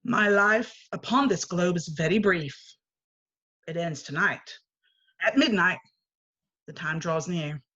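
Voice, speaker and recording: A woman's voice: fairly low pitch, takes it slowly, pauses often, fairly bright tone, muffled recording. A woman playing a stern, solemn Christmas spirit who rebukes a miser in archaic language, in an amateur dramatic reading. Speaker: amateur reader, library staff. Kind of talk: dramatic reading of a classic story.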